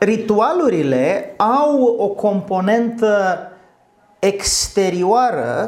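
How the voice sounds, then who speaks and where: Over noticeable background noise and audible room echo, a man speaks in a high pitch. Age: 40s. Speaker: podcast host, time management trainer. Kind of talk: casual discussion.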